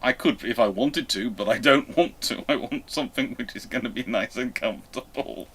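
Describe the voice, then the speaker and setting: A man's voice: mid-range voice, moderate pace, a bit bright, slightly rough. A man hosting a live question-and-answer stream, talking in a chatty, rambling way. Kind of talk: casual live Q&A chat.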